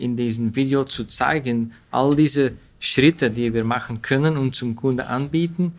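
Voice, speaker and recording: A man from Belgium, a guest in a trade fair podcast interview, speaking with slightly grammar and frequent fillers. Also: mid-range voice. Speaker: company representative, guest.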